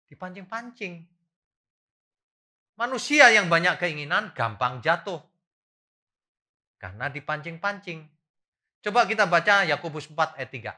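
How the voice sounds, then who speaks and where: A middle-aged man preaching a sermon as a pastor, asking the congregation questions and swinging from quiet asides to loud exclamations. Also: medium pitch.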